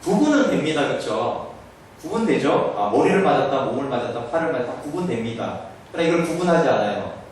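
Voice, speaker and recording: A man's voice: mid-range voice, sing-song, brisk, a little hiss or hum. A man preaching a sermon to a congregation in a church hall. He often asks the listeners questions and acts out Jesus's words as quotes. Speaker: pastor. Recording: very echoey room, voice heard from a distance.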